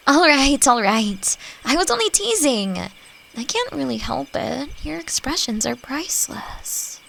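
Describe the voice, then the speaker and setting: A woman playing a friendly, playfully teasing elf who teaches magic, speaking gently and reflectively in a roleplay audio drama. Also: high voice, sing-song, takes it slowly, vocal fry, slight background noise, heavily acted. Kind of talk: scripted roleplay audio drama addressed to the listener.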